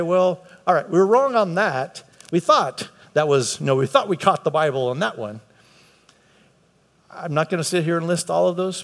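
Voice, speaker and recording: In a church hall before a live congregation, an American man delivers an earnest, conversational sermon in a voice on the high side. He leans on repeated words for emphasis, his pitch rising as he drives points home, and the audio has a long, reverberant hall tail.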